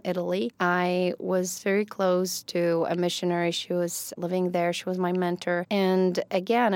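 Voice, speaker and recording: A woman's voice: on the low side, creaky, no echo. A middle-aged woman from Poland whose first language is Polish, speaking as a guest in an earnest, reflective interview. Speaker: psychology professor, guest. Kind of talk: conversational interview.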